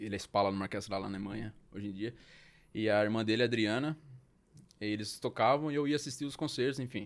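A man talks at a very fast pace broken by long, frequent pauses, captured in a very clean recording with a silent background. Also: fairly low pitch for a man, ordinary pitch variation. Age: 30s. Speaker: professional orchestra violinist. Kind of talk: casual interview.

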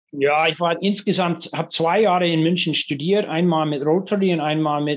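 The man talks at a moderate pace with a high pitch. His intonation stays fairly even. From US, New Mexico and Texas. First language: English (speaking German). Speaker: professor. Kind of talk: interview. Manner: hesitant with fillers.

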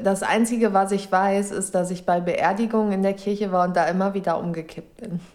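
Monotone and flat, a woman's medium-pitched voice moves at a moderate pace. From Germany, small town in North Rhine-Westphalia. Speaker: podcast co-host. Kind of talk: casual chat.

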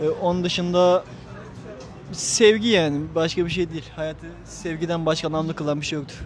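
Against noticeable background noise, a man talks at a high pitch with fairly even intonation. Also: moderate pace. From Bursa, Turkey. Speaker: podcast co-host. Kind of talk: casual chat.

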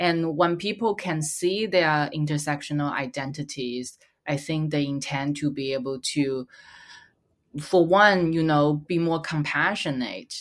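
A woman speaks at a fairly slow pace with a very deep, low voice, ordinary pitch variation and a Chinese accent. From China. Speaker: podcast host. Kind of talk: casual chat. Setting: video call.

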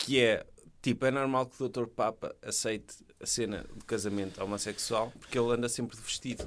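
A plain, everyday voice speaks at a fairly quick pace with fairly even intonation. Its loudness swings widely. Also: man, medium pitch for a man. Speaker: comedy podcast host. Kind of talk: comedic banter.

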